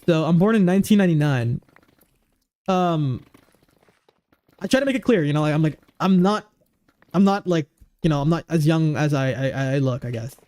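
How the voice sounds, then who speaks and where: A young man in his twenties talks to his stream in an easygoing, rambling way, tripping over restarts and fillers. His voice sits a little high, with a warm, mellow tone and a goofy edge. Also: animated, moderate pace, long pauses. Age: 20s. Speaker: livestreamer. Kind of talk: casual livestream chat.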